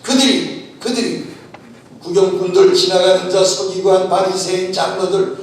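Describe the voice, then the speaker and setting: A man's voice: sits high, moderate pace, gravelly. A male pastor preaching a sermon with emphasis, often telling listeners to listen closely and asking rhetorical questions. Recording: echoey hall from far off, faint noise.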